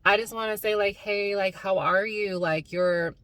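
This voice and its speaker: A woman's voice: mid-range voice, steady tone, normal speed, a bit bright, smooth, no room sound, voice pushed up, natural voice. A woman voicing a rude older lady who turns overly polite, in a raised, sugary tone.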